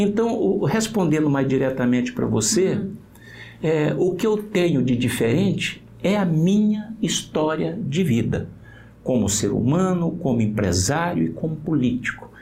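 With vocal fry and a dark, mellow tone, a man at a fairly high pitch speaks fairly slowly with very wide pitch swings and very even loudness, in audible room echo. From central Brazil (Goiás/Tocantins). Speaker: businessman and politician. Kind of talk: interview.

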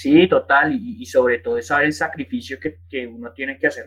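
A man speaking at a fairly quick pace. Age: 20s. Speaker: digital marketing manager. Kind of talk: interview.

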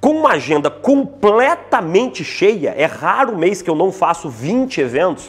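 A man with a high voice speaks in an animated tone, his pitch swinging very widely. He goes at a fairly slow pace with hardly any pauses. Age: 50s. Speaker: sales trainer and speaker. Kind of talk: motivational talk. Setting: home recording.

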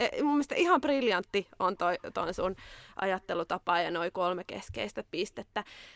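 A woman speaks with lively intonation, the sound dry and close with no echo. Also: very clean recording, silent background. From Finland, Kuopio (Savo). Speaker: psychologist, podcast host. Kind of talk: podcast interview.

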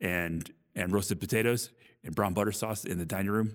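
Recorded very cleanly against a silent background, a man with an ordinary speaking voice talks at a fairly quick pace in a fairly low pitch with fairly even intonation. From Iowa, US Midwest. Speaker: executive chef. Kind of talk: interview.

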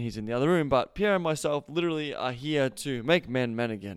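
A man with an Australian accent talks at a fairly quick pace in a fairly high pitch, his intonation lively, on a very clean recording with a silent background. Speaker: podcast host, sex coach. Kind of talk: solo podcast monologue. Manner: casual, ranty with many fillers.

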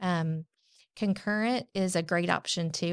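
Over a quiet background, a woman with an American accent talks at a moderate pace and a fairly low pitch. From Texas, Houston. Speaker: high school math teacher. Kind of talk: casual interview.

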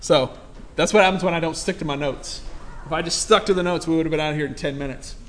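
A man speaks at a very fast pace in a high pitch, with noticeable background noise. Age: 40s. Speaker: pastor. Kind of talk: sermon. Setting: church. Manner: animated.

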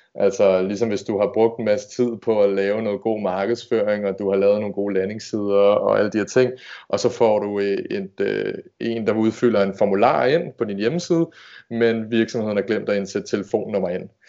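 Speaking at a moderate pace, a man has a fairly low pitch and fairly even intonation. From Greater Copenhagen, Denmark. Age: 20s. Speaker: recruitment company co-owner. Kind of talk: interview. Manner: hesitant, many fillers.

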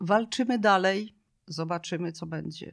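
A woman's fairly low-pitched voice is heard in a very clean recording against a silent background. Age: 60s. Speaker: retiree. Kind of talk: interview. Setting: studio.

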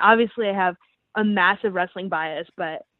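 With an American accent, a woman speaks at a fairly quick pace in an unremarkable speaking voice, her intonation lively. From Michigan. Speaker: wrestler. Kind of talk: casual interview.

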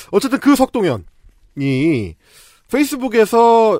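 A man talks at a high pitch. His pitch swings very widely. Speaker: fact-checking commentator. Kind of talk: podcast political commentary. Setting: studio.

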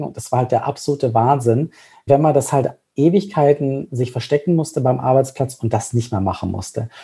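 A man talks at a very fast pace in a dark, mellow tone. His voice is somewhat breathy, with ordinary pitch variation. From Bavaria, Germany. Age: 40s. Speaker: diversity consultancy CEO. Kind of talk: interview. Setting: remote call.

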